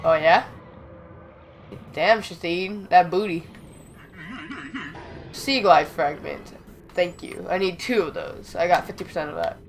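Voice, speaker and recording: A young man with a slightly raspy voice from being sick, chatting excitedly as he plays and talks back to the game. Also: high-pitched, measured pace, long pauses, slight background noise. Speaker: gaming channel host. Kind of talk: casual gameplay commentary.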